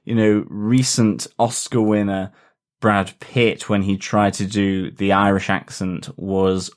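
Man, lowish voice, podcast co-host, relaxed, musing, lots of ums and uhs. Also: slow. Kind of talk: casual chat reviewing a TV episode.

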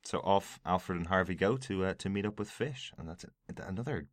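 A man's voice: deep voice, normal speed, dry recording, studio quality. An Irishman co-hosting a podcast, chatting casually and prompting his co-host with questions.

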